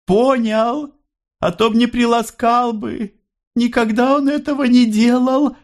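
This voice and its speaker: A man doing a high, exclaiming older mother. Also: fairly even intonation, a little slow. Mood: astonished. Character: older working-class mother, proud and plainspoken.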